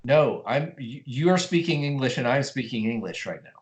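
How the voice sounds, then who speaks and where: A man's voice: mid-range voice, lively intonation, normal speed, close to an everyday voice. A man playing a stammering, flustered monk. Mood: earnest. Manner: stammering, earnest, keeps correcting himself. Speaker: improv performer.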